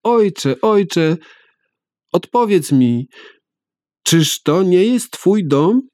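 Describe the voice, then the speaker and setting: A man reading a story aloud and voicing a frightened child who pleads with its father in high cries. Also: lively intonation, drawn-out words, a little mellow, no room sound, clean studio sound, full character voice. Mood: pleading.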